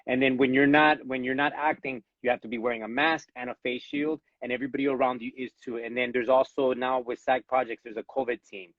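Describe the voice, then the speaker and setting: Cuban-American actor with a Latino accent. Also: male voice, medium pitch, fairly even intonation, fast talker, hardly any pauses, dry recording, muffled recording. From born in Los Angeles, raised in Miami. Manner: earnest, repeats words when starting sentences. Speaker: actor, interview guest. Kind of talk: casual live interview. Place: at home.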